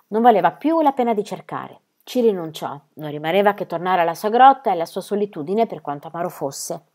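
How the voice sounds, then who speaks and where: A woman reading a children's story aloud, measured and expressive, with hushed, sad passages. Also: mid-range voice. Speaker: narrator.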